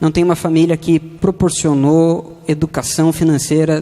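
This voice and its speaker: A man talks at a fairly high pitch and a fairly slow pace. Noticeable background noise sits behind him. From interior of São Paulo state, Brazil (Tatuí). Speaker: financial consultant and lecturer. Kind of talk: talk to a live audience. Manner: hesitant, many fillers.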